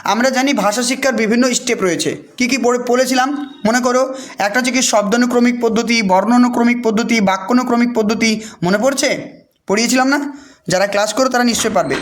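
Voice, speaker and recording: A man from West Bengal with a local accent, teaching an exam-prep lesson. He reads English quiz lines slowly, explains them patiently and keeps checking whether listeners have understood. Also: very high voice. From West Bengal, India.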